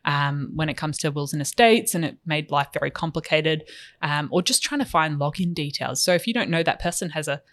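Voice, podcast co-host, steady explanations, medium pitch. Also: a little fast. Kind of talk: casual finance podcast explanation.

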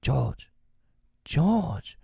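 A man voicing a gentle, anxious mother in a storybook, tender and entreating. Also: mid-range voice, huge pitch swings, normal speed, no room sound, studio quality, voice pushed up. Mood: anxious pleading. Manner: entreating, hushed concern.

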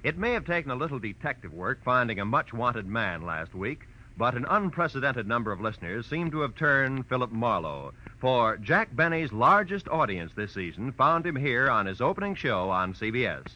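American man, vintage radio announcer, very sharp forceful voice, lively swings, formal polish, dull old recording. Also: mid-range voice, moderate pace, few pauses. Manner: polished, formal broadcast delivery. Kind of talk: 1940s radio announcing and promotion.

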